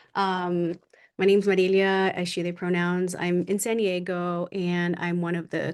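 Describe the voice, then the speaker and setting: Here is a woman with an American accent, speaking at medium pitch. She uses a normal speaking voice. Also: quiet background. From Brazil, raised in the US from young age. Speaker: activist organizer. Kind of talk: presentation on a video call. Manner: frequent filler 'um'.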